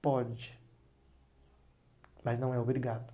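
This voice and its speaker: A man's voice: mid-range voice, takes it slowly. A man, a pastor and psychologist, giving earnest advice as a guest on a podcast and acting out parents and children in his stories. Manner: animated storyteller who acts out parents and children; earnest, advising. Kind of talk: podcast interview talk.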